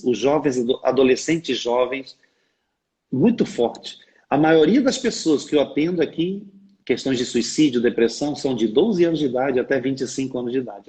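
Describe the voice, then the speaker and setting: A man's voice: mid-range voice, warm tone, poor audio. A Brazilian man preaching on a livestream as a Catholic missionary, telling stories earnestly and often asking his listeners for agreement. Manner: earnest storytelling, often asks "né?". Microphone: livestream setup.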